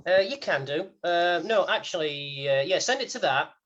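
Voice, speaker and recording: A man's voice: sits high, animated, moderate pace, a bit bright, highs cut off. A man co-hosting, talking casually and off the cuff. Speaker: podcast co-host. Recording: faint background noise, clicks.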